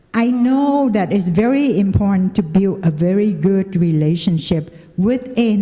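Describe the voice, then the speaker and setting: Over noticeable background noise, the voice moves at a moderate pace with very even loudness and hardly any pauses. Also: woman. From Vietnam. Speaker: community leader, panelist. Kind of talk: panel talk. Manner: halting, many fillers.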